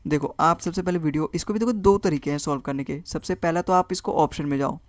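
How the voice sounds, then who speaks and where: A man's voice: fairly high pitch, quick pace, dry recording. A man teaching a reasoning lesson for exam prep. He works through each answer option aloud, repeating words and checking in with his students. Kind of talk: online exam-prep lesson, Hindi mixed with English.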